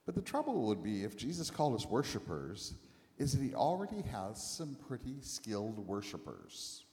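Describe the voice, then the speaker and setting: A man preaching a sermon in a church, speaking in short phrases and pausing for an interpreter. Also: mid-range voice, huge pitch swings, a little mellow. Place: church hall. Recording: long hall reverb.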